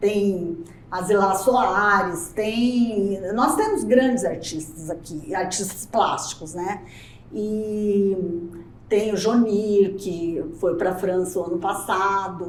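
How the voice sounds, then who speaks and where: Over noticeable background noise and audible room echo, a woman talks very slowly at a medium pitch with ordinary pitch variation. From Brazil, Mato Grosso do Sul (Campo Grande). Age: 60s. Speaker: visual artist. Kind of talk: interview. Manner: casual, conversational.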